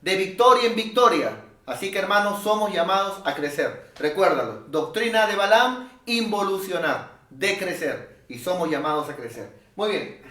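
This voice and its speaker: A man preaching a sermon as pastor, emphatic, swinging from loud calls to quiet asides. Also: high voice, lively intonation, normal speed, echoey room. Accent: Peruvian Spanish.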